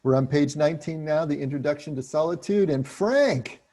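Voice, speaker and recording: A man leading a group book study, explaining passages in a relaxed, chatty way with frequent restarts. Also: a little high, normal speed.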